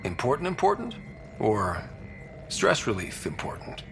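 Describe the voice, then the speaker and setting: An actor playing a wry, easygoing young leader of a space exploration team in a video game, speaking casually. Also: male voice, lowish voice, sing-song, a little slow, faint music behind. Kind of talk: video game cutscene acting.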